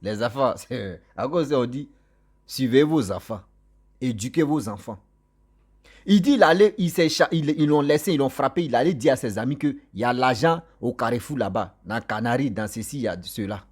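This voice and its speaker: Man, non-native french speaker, husky voice, animated storytelling, talks straight to viewers. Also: medium pitch, moderate pace. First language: not French. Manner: animated, repetitive, warm direct address to viewers. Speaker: storyteller vlogger. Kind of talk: casual spoken storytelling.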